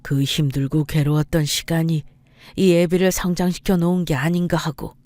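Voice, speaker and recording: A woman voicing the ghost of a gentle, regretful father, speaking slowly and tenderly in a storybook tale. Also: sits low, fairly even intonation, no echo, natural voice. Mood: earnest.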